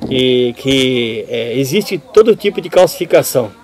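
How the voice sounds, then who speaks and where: A man's voice: medium pitch, animated, a little mellow, a little hiss or hum. Older Brazilian man telling stories. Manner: storytelling, repeats himself, halting restarts. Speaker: guest. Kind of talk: casual chat.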